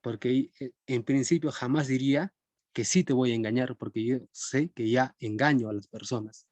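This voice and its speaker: Young male teacher, chatty and conversational, warm mellow tone, dry close recording. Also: mid-range voice, steady tone, moderate pace, no echo. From Peru. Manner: conversational, checks in with students often. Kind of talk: live-streamed philosophy class.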